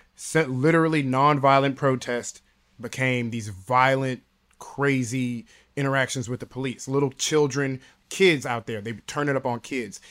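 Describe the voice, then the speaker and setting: A man with an American accent and an ordinary speaking voice talks at a moderate pace, medium-pitched, with fairly even intonation. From Houston, Texas (Third Ward). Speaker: producer, researcher and stand-up comic. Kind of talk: casual chat.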